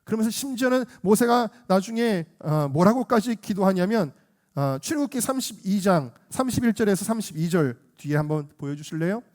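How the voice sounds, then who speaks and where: A man's voice: high voice, lively intonation, brisk, darkish tone. A male senior pastor preaching a Sunday sermon with emphasis, often putting questions to the congregation.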